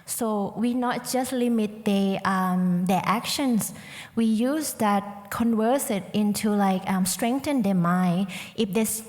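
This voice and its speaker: A woman's voice: medium pitch, darkish tone, long reverb tail. Hesitant woman panelist with many ums. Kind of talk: panel discussion answer. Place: conference hall.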